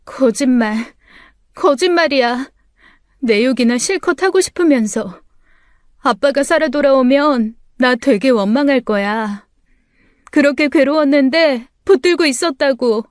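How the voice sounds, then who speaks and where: Woman acting out a shrill grieving young woman. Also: no room sound, clean studio sound. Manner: shrill, sobbing outbursts. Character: young woman in grief, screaming, self-blaming.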